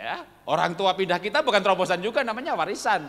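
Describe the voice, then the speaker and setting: A man speaks at a very fast pace. His voice is high in pitch. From Central Java, Solo; Central Java. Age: 50s. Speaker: pastor and business speaker; pastor, speaker. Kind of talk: sermon. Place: hall. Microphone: handheld.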